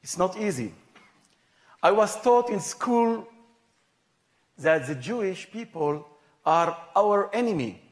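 A man from Israel, giving a personal testimony in slow, measured, plain phrasing. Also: sits high, sing-song. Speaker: guest speaker.

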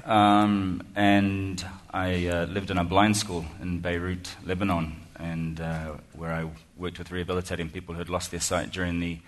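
A man's voice: deep voice, flat delivery, moderate pace, hardly any pauses. Joking New Zealand man at the podium. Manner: self-deprecating, chatty, many ums and restarts. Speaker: guest speaker. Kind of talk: humorous keynote speech. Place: lecture hall before an audience.

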